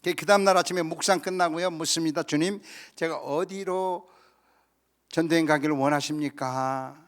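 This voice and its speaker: A Korean pastor in his fifties preaching a lively, humorous story sermon at a church camp, acting out the people in his story. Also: fairly high pitch, normal speed. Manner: animated storytelling, acting out quoted voices with laughter.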